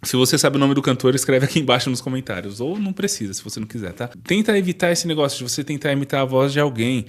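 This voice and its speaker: A man's voice: mid-range voice, lively intonation, rapid-fire, hardly any pauses. A man teaching voice lessons, explaining vocal registers directly to the viewer. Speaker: singing teacher. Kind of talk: vocal lesson with sung demonstrations.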